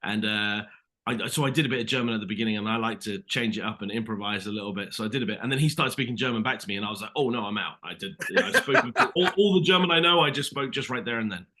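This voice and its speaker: Bright-voiced British actor, animated. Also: male voice, lowish voice, rapid-fire. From Britain. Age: 30s. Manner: animated storyteller, acts out quotes. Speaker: actor guest. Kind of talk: casual interview chat.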